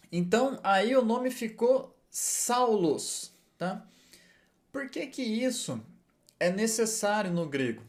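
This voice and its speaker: This Hebrew and Greek teacher speaks in a high-sitting, darkish voice. He teaches patiently, walking through each step and checking in with his listeners often.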